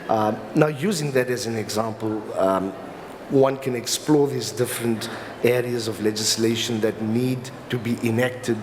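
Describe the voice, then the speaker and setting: A man with a South African accent giving an explanatory conference talk as a legal professional, in a halting, hesitant delivery with repeated words. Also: mid-range voice. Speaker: company lawyer speaking as a summit panelist. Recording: reverberant hall with clear background noise.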